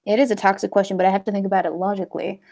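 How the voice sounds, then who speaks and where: A woman's voice: mid-range voice, little pitch movement, rapid-fire, gravelly, darkish tone. A young woman hosting a casual livestream, talking in a rambling, hesitant way with many fillers. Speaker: livestream host.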